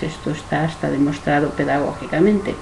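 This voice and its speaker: A woman speaks in a Galician accent at a fairly slow pace. There is audible room echo and noticeable background noise. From Galicia, Spain (rural Lugo, Becerrea). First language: Galician (speaking Spanish). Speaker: spiritist speaker. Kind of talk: lecture.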